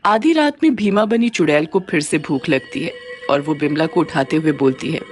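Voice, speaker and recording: A man narrating a cartoon horror story in a steady, scripted storytelling delivery. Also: on the high side, normal speed, faint music behind.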